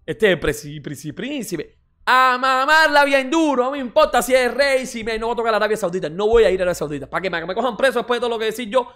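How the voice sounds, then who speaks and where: A man's voice: high-pitched, expressive, rapid-fire, hardly any pauses. A man giving casual mocking football reaction commentary as a streamer, repeating exclamations, swearing and ranting.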